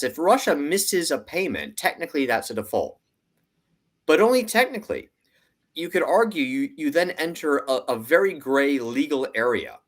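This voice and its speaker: A man's voice: medium pitch, fairly bright tone. A man giving conversational analytical commentary as a financial analyst, explaining emphatically and acting out hypothetical arguments.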